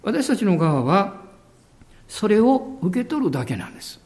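A male pastor preaching a sermon with emphasis, drawing out key words slowly. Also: high voice, very animated, darkish tone.

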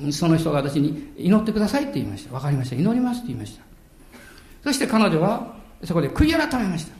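An older man preaching a sermon, telling stories with dramatic pauses and chuckles. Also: high voice, a little mellow, reverberant. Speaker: pastor.

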